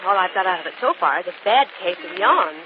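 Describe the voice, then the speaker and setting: Actress as brisk chatty sidekick, fast talker, muffled radio. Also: female voice, on the low side, expressive, very noisy, close to an everyday voice. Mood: impatient. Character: lively young woman sidekick, impatient. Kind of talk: 1940s radio acting. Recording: dull old radio recording.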